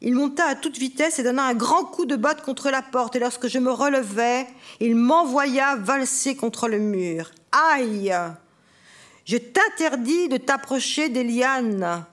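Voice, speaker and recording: A woman's voice: sits high, moderate pace. A woman author reading her novel aloud at a festival reading, in an intense, dramatic first-person manner that also acts out the dialogue. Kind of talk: literary reading.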